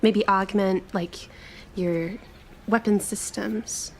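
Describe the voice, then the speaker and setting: A woman's voice: mid-range voice, steady tone, slow, a little hiss or hum. A woman playing an eager, chatty young traveler in a tabletop roleplay, with gushing, informal, stop-start chatter. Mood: friendly, bubbly.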